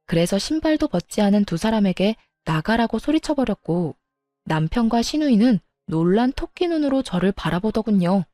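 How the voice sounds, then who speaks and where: A woman narrating a first-person story in a plain, steady way, recorded on a close mic. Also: medium pitch, no echo.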